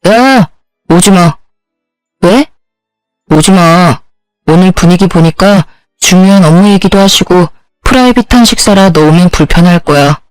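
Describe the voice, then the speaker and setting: A woman's voice: fairly low pitch, measured pace, no echo, faint music behind, close to an everyday voice, rough recording. Woman reading a curt dismissive husband. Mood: irritated. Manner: curt, brushing off.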